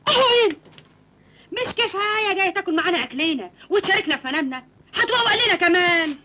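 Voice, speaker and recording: An actress with an Egyptian accent playing a sharp-tongued aunt who nags and scolds in a comedy film. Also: female voice, sits high, very animated, rapid-fire, heavily acted. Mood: scolding. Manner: nagging, scolding.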